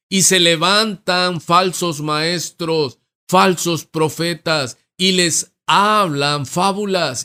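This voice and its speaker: A man preaching a sermon as pastor, reading scripture aloud in a slow, deliberate delivery. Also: a little high, bright, forceful tone. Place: church sanctuary.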